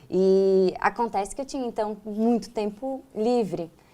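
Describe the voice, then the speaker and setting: A woman talks with a fairly high pitch. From Santa Catarina, southern Brazil. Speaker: real estate lawyer. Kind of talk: TV interview.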